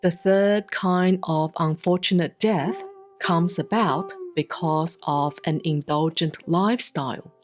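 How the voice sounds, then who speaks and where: A woman giving a solemn, scripted reading of scripture in measured, deliberate phrases with frequent pauses. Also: lowish voice, soft background music. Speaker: sutra reader, Buddhist nun.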